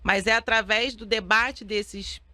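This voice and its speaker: Female interview guest, Brazilian, earnest advocate with a bright, forceful tone. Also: medium pitch, fairly even intonation, unhurried, no room sound. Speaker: guest, lawyer and rights advocate.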